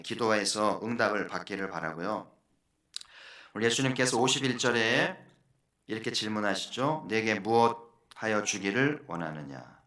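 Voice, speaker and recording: Earnest preaching pastor, bright voice. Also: male voice, medium pitch. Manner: earnest preaching, asks the congregation questions. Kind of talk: sermon. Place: church sanctuary. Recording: echoey church hall.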